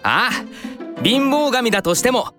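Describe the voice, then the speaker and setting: A woman's voice: a little high, big pitch swings, slow pace, over music. An actress voicing a kind, hardworking young male farmer with rustic speech in a children's folktale. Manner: rustic country speech, earnest.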